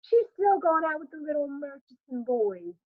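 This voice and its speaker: A woman voicing a squeaky, effusive neighbor woman who gossips in a folksy dialect and plays up every bit of news with melodrama. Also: sing-song, moderate pace, no echo. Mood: gushing. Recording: dry, tinny phone-like sound.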